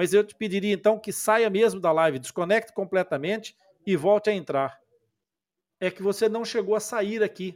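A man's high-pitched voice holds a moderate pace, and its pitch varies in an ordinary way. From Brazil. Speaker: dentist and podcast host. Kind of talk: casual chat. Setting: online live call.

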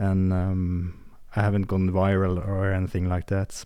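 In a Norwegian accent, a man speaks with a dark, mellow tone and a very deep, low pitch. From Norway. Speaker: jazz trumpeter and beatmaker. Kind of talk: casual chat.

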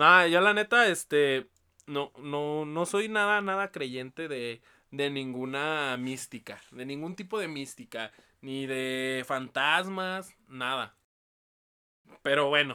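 On a very clean recording with a silent background, a man speaks very slowly in a bright, sharp, fairly high-pitched tone, with ordinary pitch variation and big swings in loudness. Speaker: podcast co-host. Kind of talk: casual chat.

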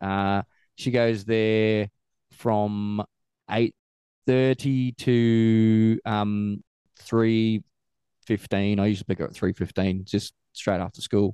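A man with an Australian accent speaks at a very slow pace with long, frequent pauses, a fairly low pitch and fairly even intonation. His tone is dark and mellow, and the sound is dry and close with no echo. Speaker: stay-at-home father and musician. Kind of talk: casual interview.

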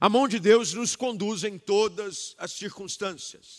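A man with a high voice and ordinary pitch variation speaks at a very slow pace. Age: 50s. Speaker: pastor. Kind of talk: sermon.

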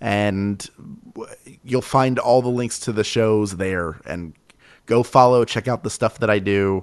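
Against a quiet background, a man with an American accent and an ordinary speaking voice talks at a moderate pace with ordinary pitch variation. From Philadelphia, US. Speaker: actor and podcaster. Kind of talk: casual chat.

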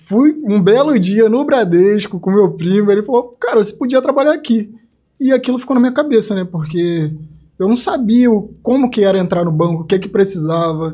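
Speaking at a fairly quick pace, a man uses a high pitch with lively intonation. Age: 20s. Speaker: bank employee. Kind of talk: interview.

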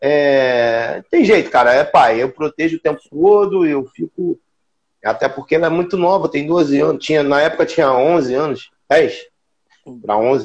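A man with a plain, everyday voice and a fairly high pitch speaks at a fairly slow pace with ordinary pitch variation, in a dry, close sound with no echo. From Rio de Janeiro, Tuiuti. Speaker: samba community member. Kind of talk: casual chat. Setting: Instagram live video call.

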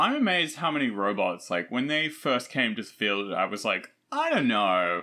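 In an Australian accent, a man speaks at medium pitch and a moderate pace, his tone animated with very wide pitch swings. The recording is very clean, with a silent background. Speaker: podcast co-host. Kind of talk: casual chat.

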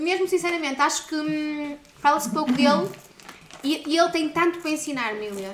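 A woman talks at a moderate pace with a high pitch and ordinary pitch variation. Noticeable noise sits in the background. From northern Portugal, Porto. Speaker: podcast co-host, mother. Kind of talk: casual chat.

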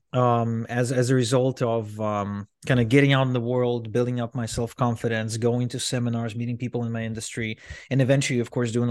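A man at a medium pitch and fairly quick pace, in a very clean recording with a silent background. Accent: Russian. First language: Russian. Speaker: author and podcaster. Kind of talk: casual interview. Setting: home office.

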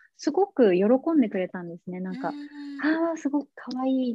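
A woman speaks with a fairly high voice. Her pitch swings very widely. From Okinawa, Japan. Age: 30s. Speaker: yoga instructor. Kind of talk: podcast interview.

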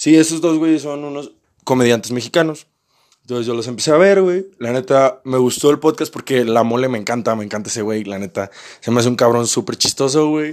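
A man with a medium-pitched voice talks at a fairly quick pace with ordinary pitch variation, in a very clean recording with a silent background. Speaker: podcaster. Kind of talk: casual monologue. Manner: animated.

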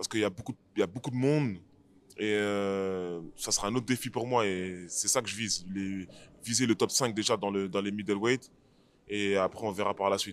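At a moderate pace, a man with a fairly low pitch talks with fairly even intonation. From France, Paris suburbs (Seine-Saint-Denis), Guadeloupean family. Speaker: professional MMA fighter. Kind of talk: interview. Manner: halting, many fillers.

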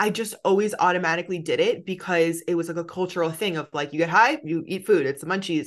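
A woman's fairly low voice with ordinary pitch variation, a very fast pace and hardly any pauses over a quiet background. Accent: American. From New Jersey. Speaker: dietitian. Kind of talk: casual interview chat. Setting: remote call.

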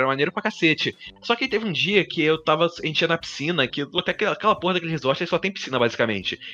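A man speaks in a high voice at a very fast clip. His intonation is lively. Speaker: podcast host. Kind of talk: casual chat.

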